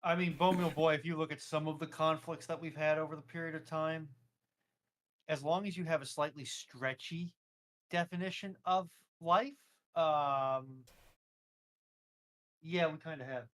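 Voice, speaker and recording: A man with a voice pitched a little above average. He talks in a casual, conversational way, like a stream participant speaking to co-hosts and chat. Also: steady tone, unhurried, fairly bright tone. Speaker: live stream participant handling chat and tech.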